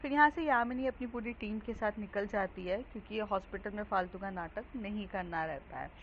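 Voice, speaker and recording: A woman's voice: medium pitch, fairly quick. A woman narrating a romance story in a casual, conversational way, with frequent fillers. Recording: dull lo-fi with faint hiss.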